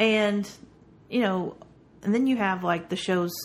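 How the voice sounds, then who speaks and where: A woman talks fairly slowly at a medium pitch. Her pitch variation is ordinary. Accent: Texas. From Texas, small town southwest of Houston. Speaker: podcast co-host. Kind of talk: casual chat.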